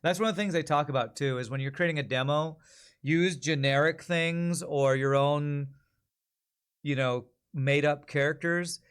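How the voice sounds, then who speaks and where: A man chatting casually as a livestream host, rambling and thinking out loud as he goes. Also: on the high side, moderate pace, clear, resonant tone.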